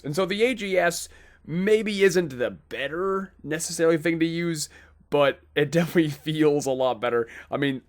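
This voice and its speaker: A young man from North Dakota with a Midwestern American accent, chatting casually and rambling cheerfully over a voice call while he plays and comments. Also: fairly high pitch. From North Dakota, USA. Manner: rambling, upbeat, laughs easily. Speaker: gaming video host. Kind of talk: casual gameplay chat and commentary.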